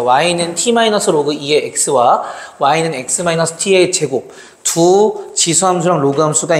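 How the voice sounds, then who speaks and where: Guy tutoring math in an echoey room, kinda high voice, keeps asking "got it?". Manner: talks through calculations aloud, checks in with students. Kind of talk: exam problem walkthrough lecture. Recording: roomy reverb, faint noise.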